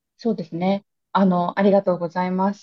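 With a dark, mellow tone, a woman speaks at a moderate pace in a dry, close sound with no echo. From Japan, Tochigi. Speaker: embassy public relations officer. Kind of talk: casual interview chat.

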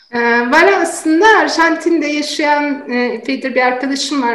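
A woman with lively intonation speaks fairly slowly amid noticeable background noise. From Turkey. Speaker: puppeteer. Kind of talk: casual chat. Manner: halting.

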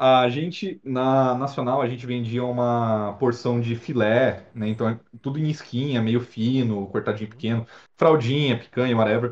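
Using an ordinary speaking voice, a man talks at a fairly slow pace with a medium pitch and fairly even intonation. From Brazil, Presidente Prudente (São Paulo state). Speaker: chef. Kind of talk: casual chat. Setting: video call.

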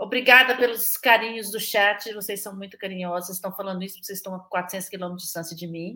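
Bright and sharp in tone, a woman talks at a fairly quick pace with hardly any pauses and big swings in loudness. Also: medium pitch for a woman, fairly even intonation. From Minas Gerais, Brazil (Governador Valadares). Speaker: spiritist center volunteer and speaker. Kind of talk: casual religious discussion. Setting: video call.

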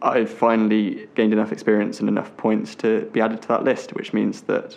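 A man speaks with a British accent. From UK. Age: 20s. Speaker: physics PhD student. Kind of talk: casual chat.

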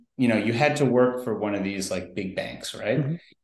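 A man speaks with an American accent. Room echo is audible around his voice. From United States. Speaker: DeFi co-founder, former trader. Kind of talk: interview. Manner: hesitant, many fillers.

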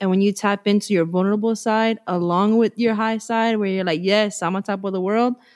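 On a very clean recording with a silent background and a dry, close sound with no echo, a woman with an American accent speaks fairly quickly at a medium pitch in a monotone, flat way. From Florida. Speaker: educator and androgynous model. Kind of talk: casual chat.

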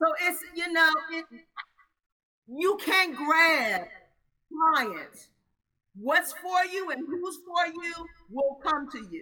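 Using a raised, projected voice with a bright, sharp tone, the speaker goes at a very slow pace with long, frequent pauses and big swings in loudness. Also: woman, extremely high pitch for a woman, ordinary pitch variation. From Washington DC area. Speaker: healing coach. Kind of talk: casual chat. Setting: live online broadcast.

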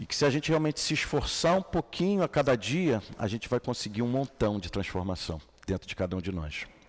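A man at medium pitch with vocal fry, very wide pitch swings and a fairly quick pace. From Baixada Fluminense, Rio de Janeiro. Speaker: spiritist lecturer. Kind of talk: lecture. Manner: casual, conversational.

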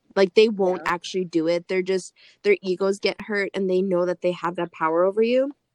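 A woman with an American accent has an unremarkable speaking voice at medium pitch. She talks at a fairly quick pace with fairly even intonation, in a dry, close sound with no echo. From Kurdish background, lives in Minnesota. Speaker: podcast co-host. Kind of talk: casual podcast conversation.

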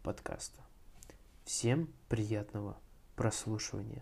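A man speaks at a fairly slow pace with ordinary pitch variation. His tone is dark and mellow, somewhat breathy. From Estonia, Tallinn. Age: 20s. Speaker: podcast host. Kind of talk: scripted introduction monologue.

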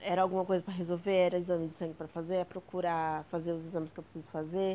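A dark, mellow tone comes through at a very fast pace. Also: woman. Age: 20s. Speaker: podcaster. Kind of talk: personal storytelling monologue. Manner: casual, laughing.

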